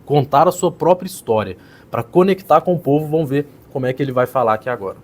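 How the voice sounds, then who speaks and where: A man, a public speaking coach, casually explaining and critiquing a politician's speech as he pauses the clip. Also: medium pitch, darkish tone. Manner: explanatory, pauses clips to critique, repeats "então". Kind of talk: casual video commentary.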